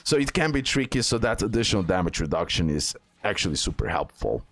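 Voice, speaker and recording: A man's voice: low-pitched, big pitch swings, quick pace, husky, dry recording. A man who speaks English as a second language gives casual gameplay commentary, often repeating words and phrases for emphasis. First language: not English. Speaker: gaming content creator.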